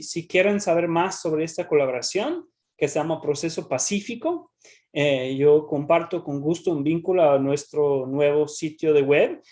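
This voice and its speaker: Man speaking careful, halting Spanish. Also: fairly high pitch, darkish tone. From United States. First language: English. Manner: halting, frequent restarts and repeated words. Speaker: researcher presenting. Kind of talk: academic talk and Q&A.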